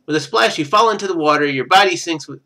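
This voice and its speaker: A man's voice: on the high side, lively intonation, quick pace, bright, forceful tone, soft background music. A man streaming a game, reading its text aloud and adding casual, wry asides.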